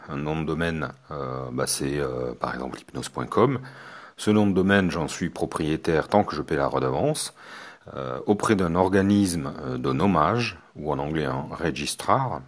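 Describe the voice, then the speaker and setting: A man's voice: rumbling low, moderate pace. A man from France, a hypnotherapist teaching a course, talking hesitantly with many fillers and restarts. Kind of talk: spoken lesson to students.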